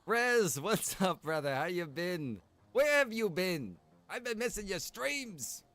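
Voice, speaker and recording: A man's voice: high voice, very animated, takes it slowly, a bit bright. A man livestreaming a game, chatting casually and playfully with viewers in slangy talk. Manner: playful, slangy, addresses viewers as bro and dude. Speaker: live streamer. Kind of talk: casual livestream chat while gaming. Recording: music behind the voice. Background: music.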